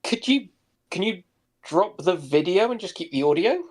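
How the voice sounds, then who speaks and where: A man chatting casually on a livestream call, asking questions in a hesitant, halting way. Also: high-pitched, animated.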